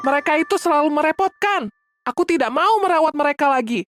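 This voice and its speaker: Mean cartoon mom, real high pitch, snappy and cold. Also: female voice, animated, fast, faint music behind. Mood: scolding. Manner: cold and scolding. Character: harsh, selfish mother in a fairy tale. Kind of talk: cartoon voice acting.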